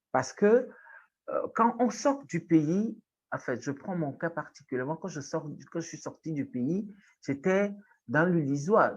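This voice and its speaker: A woman with a Togolese French accent, a guest on an interview show who teaches journalism, speaking thoughtfully with pauses and restarts. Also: sits low, a little mellow, breathy edge, dull audio. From Togo. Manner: thoughtful, with frequent hesitations and restarts. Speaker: guest, writer and journalism lecturer. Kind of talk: reflective interview talk.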